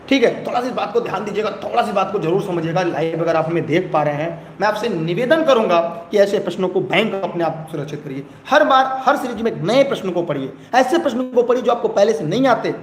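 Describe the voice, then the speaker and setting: A young man with an eastern Uttar Pradesh Hindi accent teaching a live online exam-prep lesson, who keeps urging viewers to comment and repeats his phrases. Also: high voice. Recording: echoey room, faint background noise.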